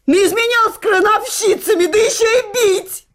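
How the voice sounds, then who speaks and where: Очень визгливую злую жену. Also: female voice, normal speed, fairly bright tone. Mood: furious, threatening. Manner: scolding, sarcastic, shrill, repeating words tauntingly. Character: furious, mocking working-class wife berating her drunkard husband. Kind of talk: comic radio play acting, coarse colloquial speech. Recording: studio radio play, faint music behind.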